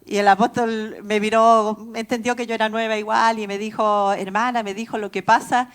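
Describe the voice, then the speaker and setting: A woman's voice: a little high, little pitch movement, moderate pace, smooth. A woman pastor with a Chilean accent preaching a sermon in a church, telling stories earnestly and laughing at herself.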